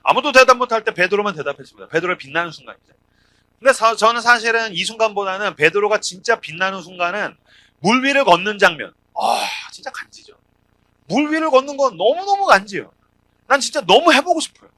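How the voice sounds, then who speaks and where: A man in his thirties preaching a lively sermon at a youth retreat, acting out the voices of people in the stories and joking with the young crowd. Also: high voice, fast talker. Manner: animated, acts out quoted voices, jokes with the crowd. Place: retreat prayer hall.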